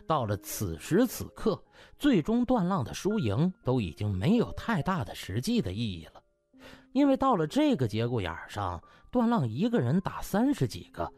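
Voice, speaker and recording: A man's voice: mid-range voice, darkish tone. A man narrating an audiobook as dramatic scripted storytelling. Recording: music behind the voice.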